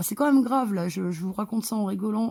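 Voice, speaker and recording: Dark and mellow in tone, a woman's somewhat breathy voice moves at a fairly quick pace with ordinary pitch variation on a very clean recording with a silent background. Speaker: vlogger. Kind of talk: casual monologue. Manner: hesitant.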